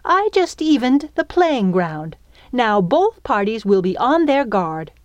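Woman voicing a feisty, sharp-tongued little fairy. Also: a little high, big pitch swings, takes it slowly, no room sound, pitched above the performer's own voice. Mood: defensive. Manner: sassy, sharp, irritable.

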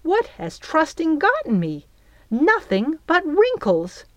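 A woman voicing a proud, bitter aging female fairy who talks high, huffy and plaintive. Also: wildly swooping pitch, slow pace, no echo, heavily acted. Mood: self-pitying.

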